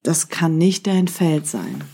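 A woman voicing a clever, calm little village boy in a children's story, patient and explaining. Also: sits low, slow, husky, full character voice.

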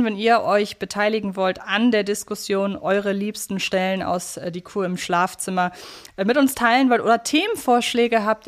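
A woman with a mid-pitched voice co-hosts a fan podcast. She talks in a casual, conversational way, discussing an audio drama series. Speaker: podcast co-host.

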